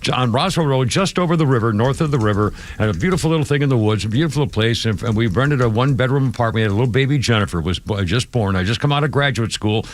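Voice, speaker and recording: A man's voice: mid-range voice, fast talker, few pauses. A man in his seventies from New England, hosting a talk radio show and telling a long story in a rambling, exclamatory way, breaking off and restarting often. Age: 70s. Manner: rambling, self-interrupting, exclamatory. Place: radio studio. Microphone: studio microphone.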